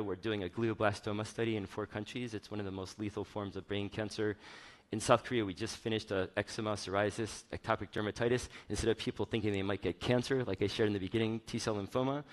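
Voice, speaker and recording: Fast-talking middle-aged man, low-pitched. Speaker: chief medical officer giving a keynote. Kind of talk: conference talk, personal and informal. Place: on stage at a conference hall.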